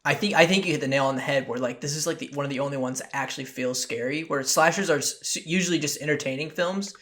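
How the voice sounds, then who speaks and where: A man's voice: on the high side, quick pace, a bit bright. A young man co-hosting a podcast, talking casually with lots of fillers and steering the talk with questions. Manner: filler-heavy, leads questions. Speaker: podcast co-host.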